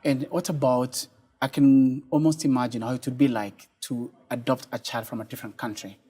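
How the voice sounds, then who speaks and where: A man from Kenya, hosting a TV interview and asking questions with shifting loudness. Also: medium pitch, steady tone, a little fast, slightly rough. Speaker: TV show host.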